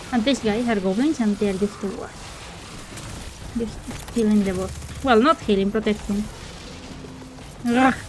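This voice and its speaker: Music plays in the background as a woman with a fairly high pitch and ordinary pitch variation talks at a moderate pace, with long, frequent pauses. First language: Spanish. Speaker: video game streamer. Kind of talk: live gameplay commentary.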